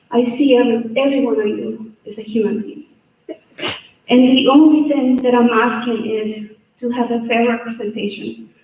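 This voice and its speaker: A woman's voice: fairly high pitch, a little mellow. A middle-aged woman from El Salvador, speaking English with a Salvadoran Spanish accent, makes an earnest plea at a public hearing. She restarts and repeats phrases as she speaks. Her voice reaches the mic from a distance, with heavy room echo. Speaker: state representative giving public testimony. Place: large echoey hearing room. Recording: echoey hall, voice far from mic.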